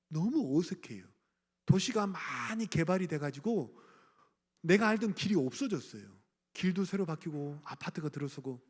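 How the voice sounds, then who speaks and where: A man's voice: on the high side, breathy edge. A middle-aged man from Gwangju preaching a sermon as pastor, speaking conversationally, asking the congregation questions and chuckling. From Gwangju, South Korea. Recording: church hall reverb.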